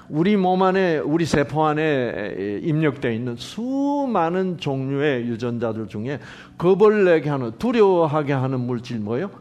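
Animated male preacher asking rhetorical questions. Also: fairly high pitch. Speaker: pastor. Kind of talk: sermon.

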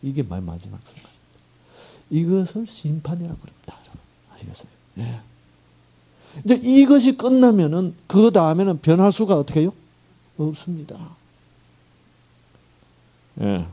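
A male pastor preaching a sermon, constantly quizzing the congregation with questions and swinging from loud calls down to whispers, on a muffled recording. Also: fairly high pitch, very animated, moderate pace, pauses often. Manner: call-and-response questions to the congregation.

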